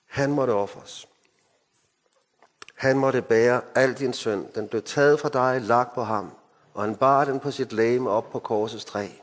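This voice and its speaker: A man from Denmark preaching a sermon, moving between emphatic lines and hushed, solemn ones. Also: medium pitch. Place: mission hall. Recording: hall reverb.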